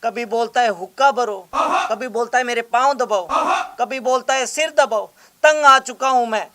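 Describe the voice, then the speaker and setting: A man's voice: very high-pitched, moderate pace, bright, forceful tone. A man playing a henpecked young house-husband in a comedy skit, complaining and pleading to get away. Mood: fed up. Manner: whining, pleading.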